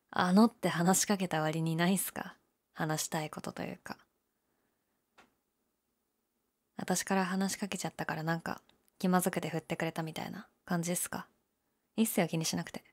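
A young woman playing a laid-back, shyly candid gyaru convenience-store clerk in an audio drama, with a breathy, hesitant, mumbled delivery. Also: steady tone, fairly quick. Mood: awkward, bemused. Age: young adult. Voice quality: low, breathy. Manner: listless, hesitant, mumbled casual polite speech. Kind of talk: male-oriented situation voice drama, casual chat.

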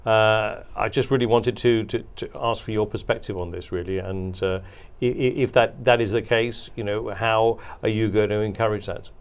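A man in his forties with a low voice puts questions to a guest on a dark studio set. He frames each question haltingly, doubling back on words before he gets to the point. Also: steady tone, clean tone. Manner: halting, repeats words while framing questions. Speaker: interviewer. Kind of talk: interview questions.

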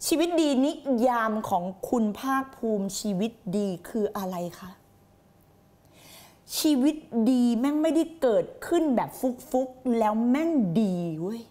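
A woman's voice: on the high side, expressive, unhurried, darkish tone. A woman life coach on a late-night motivational live stream, blunt and crude with heavy slang, fiery and intense as she answers viewers. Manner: fiery and intense, reads viewer comments aloud.

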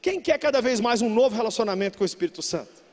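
Very high-voiced Brazilian pastor preaching. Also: male voice, animated, racing. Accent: Brazilian Portuguese. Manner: emphatic preaching, bursting into shouts then dropping low. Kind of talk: sermon. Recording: long reverb of a large hall.

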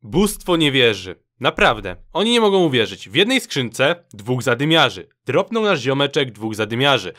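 A man's voice: medium pitch, big pitch swings, normal speed, few pauses, pushed and bright. A man casually commenting on gaming clips in a chatty, slangy, playfully teasing way. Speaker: host narrating a gaming clip compilation.

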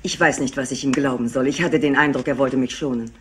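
A woman's voice: a bass voice, steady tone, quick pace, slight background noise. A woman playing an anxious, bereaved company heiress in a crime drama, earnest, hesitant and pleading. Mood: troubled, uncertain. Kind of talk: German crime drama acting.

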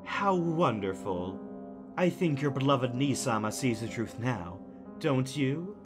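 A man playing a slow, cooing, taunting villain. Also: medium pitch, animated. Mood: mocking, gloating. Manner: mocking, cooing, condescending. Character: taunting, soft-spoken male kidnapper villain, sadistically tender. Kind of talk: audio drama acting. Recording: music under the voice.

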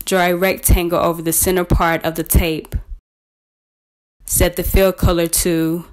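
Even, clear woman narrating a tutorial. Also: fairly low pitch, a little slow. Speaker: tutorial presenter. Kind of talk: scripted step-by-step software tutorial narration.

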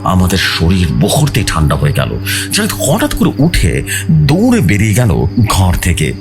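Casting: male horror narrator, low voice, hugely varied intonation, suspenseful and theatrical, clear music bed. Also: huge pitch swings, moderate pace. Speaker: horror storyteller. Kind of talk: dramatic first-person horror narration.

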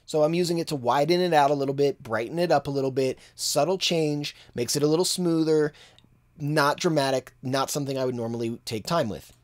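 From his home studio, a man in his thirties walks through mixing in a casual screen-share tutorial. His voice is on the high side and a little fast, and he stays relaxed, thinking aloud and using fillers while he works.

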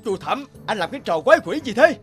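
A voice actor playing an exclamatory market character in an animated folk-tale dub. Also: mid-range voice, fast talker, faint music behind. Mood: indignant.

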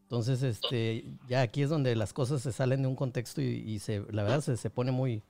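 A man's voice: medium pitch, steady tone, moderate pace, dark tone. A man commenting as an entertainment expert on a video call, hesitant with many restarts. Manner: hesitant, restarts, uses "este" and "pues".

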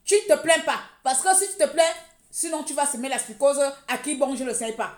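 A woman from Gabon speaks on a live social media stream in a high voice. Her talk is heated and mocking, and she hammers the same words again and again. The phone recording picks up a roomy echo. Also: animated, fairly quick. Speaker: online commentator.

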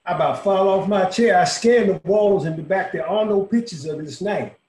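A man's voice: normal speed, close to an everyday voice. An older man reading a monologue as a brash, crude dying man at a bar, over a video call. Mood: wry confiding. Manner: brash, loud outbursts, then low confiding. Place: home room. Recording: echoey video call room.

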